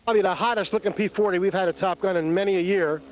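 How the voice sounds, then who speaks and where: A man interviewing outdoors at a model airplane competition, putting his questions haltingly and step by step. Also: high voice. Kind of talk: on-site field interview. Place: outdoors at a flying field. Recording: muffled, noisy outdoor field recording.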